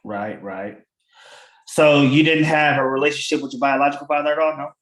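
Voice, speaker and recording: A man's voice: a little high, fairly even intonation, brisk, fairly bright tone. Laid-back male host in an echoey room. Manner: laid-back, stammers and repeats words. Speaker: podcast host. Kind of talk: casual livestream chat. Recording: echoey room with faint clicks.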